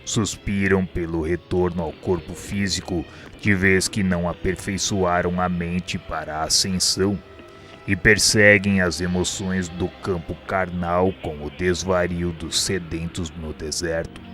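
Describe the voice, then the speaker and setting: An actor playing a grave, wise spirit mentor in a radio drama, speaking in a solemn, formal, teaching manner. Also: male voice, sits low, flat delivery, measured pace, a bit bright, soft background music. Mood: grave, explanatory.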